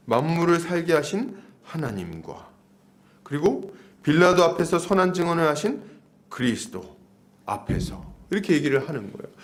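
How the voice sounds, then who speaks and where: A man of about forty preaching an expository sermon as a pastor, using emphatic repetition and rhetorical questions. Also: on the high side.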